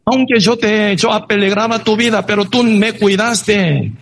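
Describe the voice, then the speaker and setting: A man's voice: high voice, measured pace, fairly bright tone, a little hiss or hum, voice pushed up. A man voicing a remorseful old king who regrets wronging a young man, speaking tearfully.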